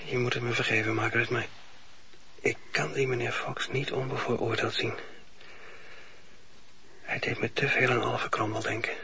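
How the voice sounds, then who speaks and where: Sharp-voiced, grave husband. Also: male voice, mid-range voice, little pitch movement. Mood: troubled. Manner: measured, formal, grave. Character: stern, anxious, devout husband, disapproving of a preacher. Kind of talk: Dutch radio play acting. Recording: dull, noisy old radio play tape.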